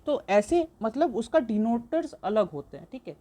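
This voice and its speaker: A young woman, tutoring for an exam and explaining slowly, mixing in English terms, with frequent fillers. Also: on the high side, big pitch swings, dark tone. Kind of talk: exam-prep lecture.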